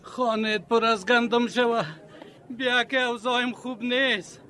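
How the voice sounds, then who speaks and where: A man's voice: extremely high pitch, steady tone, sharp tone. An Afghan-accented male actor playing a simple, folksy, complaining village patient in a comic radio drama. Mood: bewildered.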